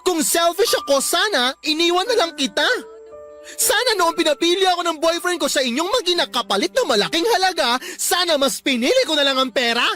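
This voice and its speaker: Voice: very high voice, animated, fairly quick, pushed and bright, soft background music, exaggerated voice. An actor playing a defensive, evasive, effeminate gay young father with a Filipino accent in a theatrical radio drama. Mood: indignant, hurt. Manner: theatrical, indignant, dismissive.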